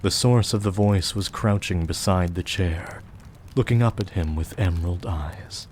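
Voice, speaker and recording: A man narrating a scripted audio drama in a measured storytelling manner. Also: deep voice, darkish tone. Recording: faint background noise.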